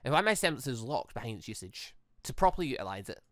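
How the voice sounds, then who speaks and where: A let's player voicing an earnest, devoted young female android, reading a visual novel aloud with halting delivery. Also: mid-range voice, big pitch swings, no room sound, studio quality, pitched below the performer's own voice, lightly acted. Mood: reflective.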